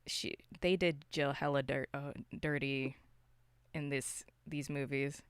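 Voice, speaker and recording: A podcast host chatting casually about films and games in an animated, self-interrupting way with some mild swearing. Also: mid-range voice, takes it slowly, clear, resonant tone, dry recording. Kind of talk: casual film and game discussion.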